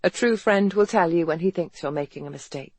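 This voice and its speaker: A narrator putting on a sharp woman doctor. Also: a little high, a little fast, dry recording. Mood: brisk.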